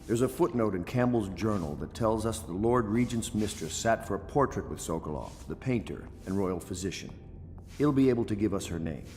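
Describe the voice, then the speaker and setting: An actor playing a proud old military man who gives a brisk briefing in a video game. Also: on the low side, animated, darkish tone, big-room sound, faint music behind, close to an everyday voice.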